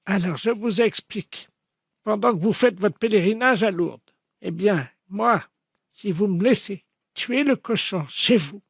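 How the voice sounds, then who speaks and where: A man doing a pushy, muddled old woman making a prank phone call, her voice pitched very high. She keeps mishearing on purpose and chatters on in a mock-sweet way. The sound is dry and close, with no room echo. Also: measured pace, vocal fry, husky, heavily acted. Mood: needling. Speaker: prank caller.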